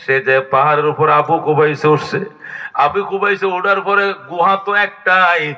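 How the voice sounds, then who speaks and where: A man's voice: a little high, pushed and bright. A man preaching a sermon in a Bangladeshi Bengali accent, telling the story dramatically and acting out the dialogue. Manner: dramatic storytelling that acts out the dialogue, with sing-song prayer passages. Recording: dull lo-fi recording.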